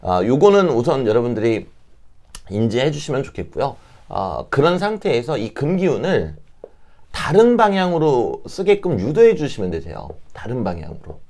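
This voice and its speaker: A man with a slightly hoarse, catching throat, explaining things politely and informally as an advisor speaking to parents. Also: mid-range voice, big pitch swings, moderate pace, darkish tone. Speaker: fortune-telling advisor, channel host. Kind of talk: informal explanatory talk to camera.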